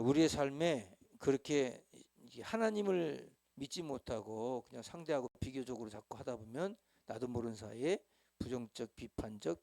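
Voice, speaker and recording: A man's voice: medium pitch, vocal fry, a little mellow. A middle-aged man, a senior pastor, teaching small-group leaders in a church hall. He is talkative, acts out quoted dialogue, and keeps asking his listeners to respond.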